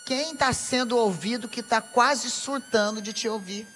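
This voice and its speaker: A woman with a Brazilian Portuguese accent preaching a lively sermon to a women's audience, playful and teasing, speaking straight to the crowd. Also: on the high side, a little slow, slight background noise.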